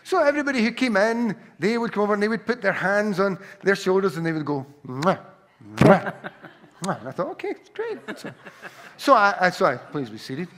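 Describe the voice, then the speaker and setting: Glaswegian guy giving a sermon, kinda high voice, storytelling, lots of restarts. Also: very animated, fairly quick, a bit bright. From Scotland. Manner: anecdotal storytelling with frequent restarts. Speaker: preacher.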